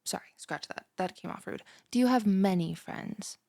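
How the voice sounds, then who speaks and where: A woman's voice: mid-range voice, normal speed, gravelly, warm tone, natural voice. A young woman playing a bubbly, ditzy, easily offended student who gushes and rambles in a one-sided audio roleplay. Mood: pointedly sweet, miffed. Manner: gushing, rambling, dramatic gasps and sighs.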